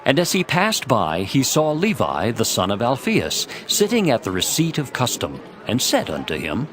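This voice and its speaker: A man's voice: medium pitch, wildly swooping pitch, normal speed, fairly bright tone, slight background noise. A man narrating a dramatized scripture reading from a script. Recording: music behind the voice.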